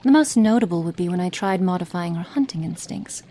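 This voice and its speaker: A woman voicing a cold, impatient female witch experimenter in an ASMR roleplay, speaking softly and partly in whispers, haughty and condescending. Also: on the low side, animated, a little fast, a little hiss or hum, natural voice. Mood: musing. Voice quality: soft, partly whispered delivery.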